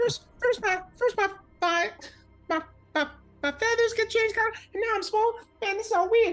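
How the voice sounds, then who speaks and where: A put-on character voice at an extremely high pitch moves at a moderate pace, broken by long, frequent pauses. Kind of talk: casual, slangy. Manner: yelling, distressed, complaining.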